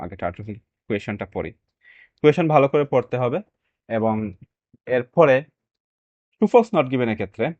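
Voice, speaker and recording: A man's voice: on the low side, no echo. Guy tutoring exam reading, voice goes up and down a lot, kinda muffled. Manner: lively teaching voice, mixing English phrases into casual speech. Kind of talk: explaining a lesson. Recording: dry, dull lo-fi sound.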